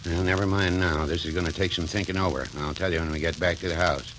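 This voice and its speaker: An actor playing a kindly, folksy old country doctor in a 1940s radio drama, with a gentle, reminiscing manner. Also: male voice, sits low, fairly even intonation, fast, natural voice. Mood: earnest. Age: older. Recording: old radio recording with faint hiss.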